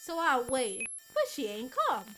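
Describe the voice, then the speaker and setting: A woman voicing a confused, agitated old homeless man in a visual novel, rambling loudly. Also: sits high, animated, a little slow, faint music behind. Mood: distraught.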